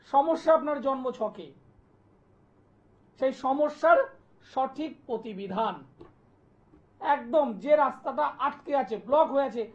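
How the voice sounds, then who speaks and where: A man, an astrologer hosting a live TV call-in show, delivering an insistent, repetitive pitch and taking callers' details. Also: a little hiss or hum. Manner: insistent, repetitive sales pitch, listing place names. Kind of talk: live TV promotional talk and phone call-in. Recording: dull lo-fi broadcast sound.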